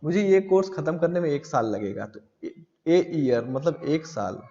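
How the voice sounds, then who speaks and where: A man teaching English grammar in a classroom style. He reads English lines slowly, explains them in Hindi, and asks questions that he answers himself. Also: fairly high pitch, lively intonation, warm tone. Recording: dull lo-fi audio with long reverb.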